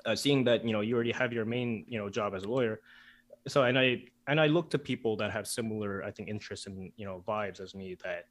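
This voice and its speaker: A man whose first language is Korean, talking as a guest author in a casual interview, relaxed and chatty with many fillers. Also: on the low side, fast talker. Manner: relaxed, chatty, frequent "like" and "you know" fillers, laughs easily.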